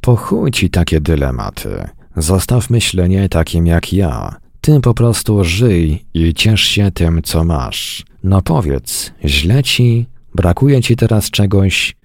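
A man voicing a gruff, hard-drinking male army major with a bass voice and a coarse, commanding way of talking. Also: big pitch swings, slow, hardly any pauses, a little mellow, dry recording, clean studio sound, heavily acted. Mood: blustering.

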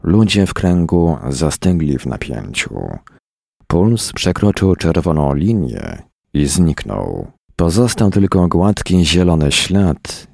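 A man reading a story aloud as narrator, in a steady, even way. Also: a bass voice, gravelly, dry recording, studio quality. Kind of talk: audiobook reading.

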